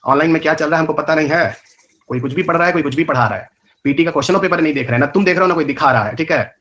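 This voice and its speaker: A man's voice: on the high side, a bit bright, lo-fi sound. A man with a rural north Indian Hindi accent, teaching a live online exam-prep lecture, firing rhetorical questions and scolding his students. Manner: rapid colloquial Hindi mixed with English terms.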